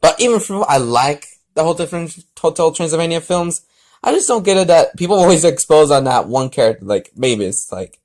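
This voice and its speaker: Rambling, halting man vlogging. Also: fairly high pitch, big pitch swings, darkish tone. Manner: rambling, halting, often restarting sentences. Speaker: host of fan fiction reading videos. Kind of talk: casual rambling vlog talk and fan fiction read-aloud.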